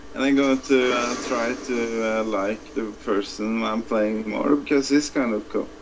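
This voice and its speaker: With a Norwegian accent, a man speaks at a fairly slow pace with fairly even intonation and hardly any pauses. Noticeable background noise is present. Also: medium pitch for a man. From Norway. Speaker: gaming video co-player. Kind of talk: casual chat while playing a video game. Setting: online voice chat with poor audio. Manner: halting, fumbling for English words. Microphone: headset.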